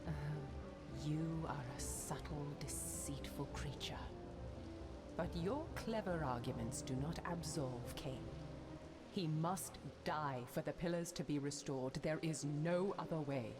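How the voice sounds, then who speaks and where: A sorrowful, embittered female spirit from a fantasy game. She speaks in formal, solemn phrases, very slowly and low for a woman. Clear music plays behind her. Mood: bitter, resolute. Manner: solemn, slow, mournful formal diction. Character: sorrowful female ghost, bound for a century, bitter, unyielding. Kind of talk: dramatic video game dialogue.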